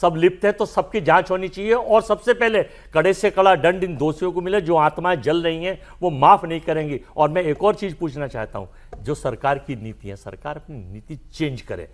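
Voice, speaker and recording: Loud insistent man in a political debate. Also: a little high, moderate pace, hardly any pauses. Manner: loud, insistent, keeps talking over others. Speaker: political panelist. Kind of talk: heated TV panel debate.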